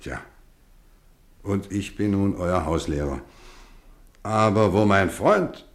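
An actor playing a kindly, playfully stern middle-aged housemaster in a German radio play, measured and theatrical. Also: male voice, deep voice, reverberant. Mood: wistful, reflective. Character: kindly, playfully stern boarding school housemaster, grown man.

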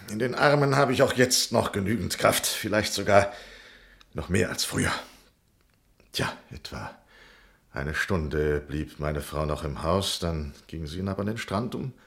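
A man playing a bitter, haughty English gentleman and retired colonel in a radio crime drama, speaking with deliberate sarcasm. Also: sits low, big pitch swings, creaky, heavily acted. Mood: bitter, measured.

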